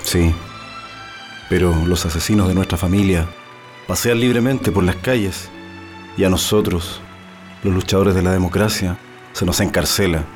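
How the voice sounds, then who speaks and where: Radio play: man as an earnest exile uncle, lowish voice, music underneath. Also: fairly even intonation, normal speed, pauses often, a little mellow, lightly acted. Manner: earnest, heartfelt delivery. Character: older uncle returned from long exile abroad. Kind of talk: radio drama acting.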